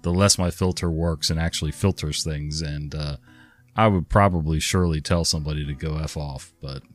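A man's voice: a bass voice, steady tone, fairly quick. A middle-aged man narrating online stories and commenting on them in a laid-back, rambling, blunt way. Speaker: story narrator and channel host. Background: faint guitar music.

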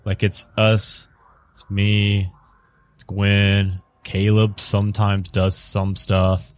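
A man's voice: lowish voice, monotone, slow pace, no echo. A man voicing an evasive male mission handler in a tabletop game who rambles and hesitates, with many restarts.

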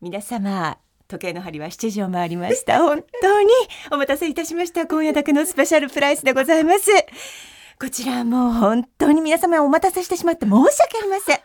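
Woman putting on a high-voiced, humble shopping-channel presenter. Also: animated, brisk, a little mellow. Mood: earnest hype. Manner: formal, emphatic customer service voice. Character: earnest, humble female TV shopping presenter hyping goods. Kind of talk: home shopping sales pitch parody.

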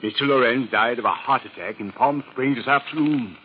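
A man's voice: mid-range voice, brisk, natural voice. A man playing a cautious, shady art dealer in a 1940s radio drama, speaking formally and hesitantly, repeating his words. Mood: coolly withdrawing. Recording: muffled, faintly noisy old radio recording.

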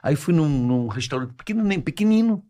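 A man with a Brazilian accent excitedly telling a funny anecdote on a podcast, mimicking other people's voices. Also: fairly high pitch, brisk. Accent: Brazilian Portuguese. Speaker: podcast co-host. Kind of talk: casual storytelling chat.

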